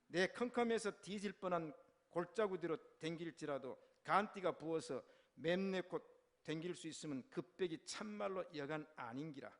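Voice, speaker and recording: Man doing a brash folksy Gyeongsang guy, loud, fairly high, heavy Gyeongsang accent. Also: normal speed, lightly acted. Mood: earnest. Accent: Gyeongsang dialect. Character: man from Gyeongsang reciting a psalm in blunt dialect.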